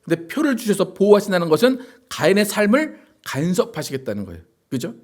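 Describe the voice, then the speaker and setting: Man preaching, rather high voice. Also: very animated, fast talker, darkish tone. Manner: conversational preaching with frequent rhetorical questions. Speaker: pastor. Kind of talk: sermon. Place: church sanctuary.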